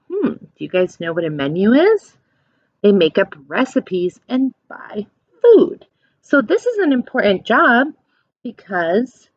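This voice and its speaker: A woman reads aloud to children like a teacher, pausing to explain in simple, chatty language and questions. Her delivery is encouraging and animated, at a middling pitch. The recording is dry and a little dull, with lo-fi sound. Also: no room sound.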